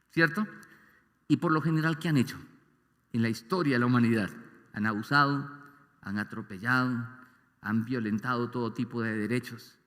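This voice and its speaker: A man preaching a sermon, animated and asking his listeners rhetorical questions. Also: a little high, in a large hall. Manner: animated, asks the congregation questions, mimics voices. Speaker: pastor. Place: large church hall.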